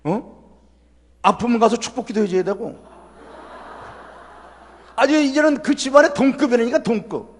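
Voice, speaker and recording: High-voiced Korean pastor in a reverberant hall. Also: male voice, normal speed, pauses often, slight background noise. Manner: folksy, emphatic, rhetorical questions to the congregation. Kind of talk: revival sermon. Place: church sanctuary.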